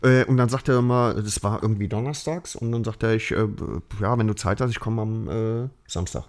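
A man's voice: fairly low pitch, brisk. A man hosting a podcast, telling a story in a loose, chatty way full of fillers and tag questions. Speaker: podcast host. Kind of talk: casual storytelling chat.

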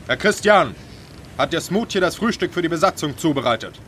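A pompous old captain, voiced by a man who bellows commands and pushes his voice up high when he shouts. He sounds confused but utterly sure of himself. A light hiss sits under the radio-play recording. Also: expressive, fairly quick. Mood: bossy. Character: old confused male ship captain, pompous, barking orders.

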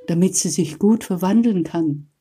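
Woman doing a gentle storybook bat. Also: on the low side, moderate pace, breathy edge, faint music behind, pitched above the performer's own voice. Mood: excited. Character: kind bat, gentle teacher.

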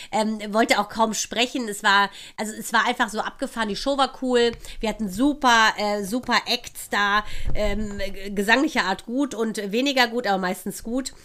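A middle-aged woman whose voice is hoarse and worn from a night of dancing. She sits a little high in pitch and gushes as she tells her stories in casual podcast chat. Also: normal speed, bright, forceful tone. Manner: gushing, enthusiastic storyteller. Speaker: podcast co-host.

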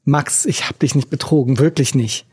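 A man voicing a guilt-ridden young woman who pleads in a raised, higher voice, read as an audiobook character. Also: normal speed, darkish tone, slightly rough. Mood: pleading.

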